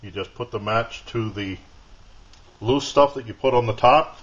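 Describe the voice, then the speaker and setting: A man giving a casual hands-on demonstration at a workshop bench, explaining each step in a plain, unhurried way. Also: mid-range voice, a bit bright, a little hiss or hum. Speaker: outdoor gear video maker. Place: workbench in a home workshop. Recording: dull lo-fi camera audio.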